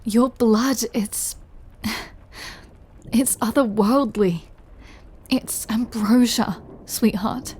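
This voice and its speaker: Woman voicing a slow-speaking, remorseful vampire lover. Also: fairly high pitch, exaggerated voice. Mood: craving, confessional. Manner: hesitant, halting, confessional, with soft breathy drops. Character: remorseful, lovesick female vampire craving her lover's blood. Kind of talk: intimate scripted audio roleplay monologue.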